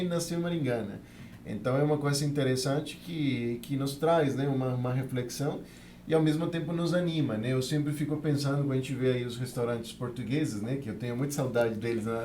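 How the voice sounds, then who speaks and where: Appearing as a guest on a podcast, a man from Venezuela who works with immigrant communities earnestly shares his experience, tagging nearly each phrase with a questioning "né." His voice is mid-range and a little mellow, recorded in a roomy space with some hiss or hum.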